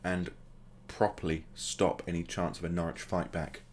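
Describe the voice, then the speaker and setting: A man's voice: sits low, level tone, moderate pace, a little hiss or hum. A man hosting a gaming video, casually commentating the play as it happens and adding joking asides. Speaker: gaming channel host.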